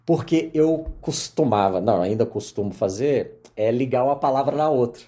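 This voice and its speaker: A middle-aged man from Minas Gerais with a Mineiro accent, telling his career story as a podcast guest in lively casual conversation. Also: mid-range voice, moderate pace. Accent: Mineiro Portuguese. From Minas Gerais, Brazil. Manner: animated storyteller, many fillers.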